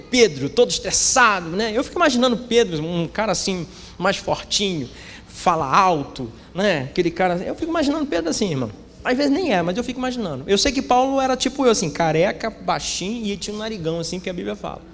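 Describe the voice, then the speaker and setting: High-voiced pastor preaching in a hall. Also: male voice, sing-song, a little fast. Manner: preaching with big swings of pitch and loudness, addressing listeners as brothers. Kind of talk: sermon. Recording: echoey hall with faint ambient noise.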